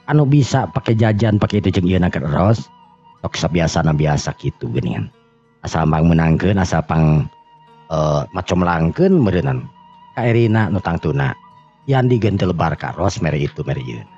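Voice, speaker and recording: A man with a Sundanese accent and a gravelly, husky voice, telling a serial drama in an unhurried, conversational way. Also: deep voice, animated, darkish tone. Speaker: storyteller and channel host. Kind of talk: oral storytelling of a serial folk drama. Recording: muffled recording with music underneath.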